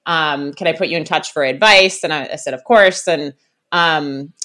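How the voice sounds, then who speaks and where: A woman's voice: low voice, moderate pace, bright, forceful tone. A woman hosting a podcast interview, talking casually with lots of fillers and restarts. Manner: chatty, many fillers and restarts. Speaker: podcast host.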